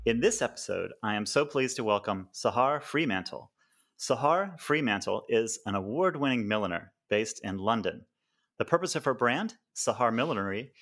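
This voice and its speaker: A man with an American accent hosting a podcast interview, friendly and quick to laugh, with some hesitant fillers. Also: medium pitch, a bit bright. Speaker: podcast host. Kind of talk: casual interview chat.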